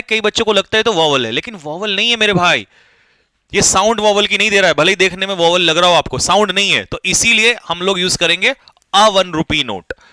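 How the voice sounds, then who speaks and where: A man's voice: high voice, sharp tone, no room sound. A man teaching English grammar, urging students to hurry and asking and answering his own questions. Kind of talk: online exam-prep lesson.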